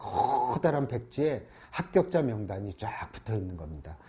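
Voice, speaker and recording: This is a man with a medium-pitched voice. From Seoul. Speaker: psychiatrist lecturer. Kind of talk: lecture. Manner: halting, many fillers.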